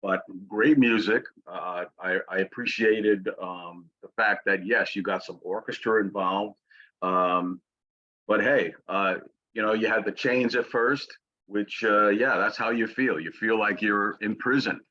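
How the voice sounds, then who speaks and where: A man's voice: on the low side, steady tone, a little slow, sharp tone. A man, a podcast co-host, giving earnest, hesitant feedback with many fillers. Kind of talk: casual feedback chat. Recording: dull lo-fi audio.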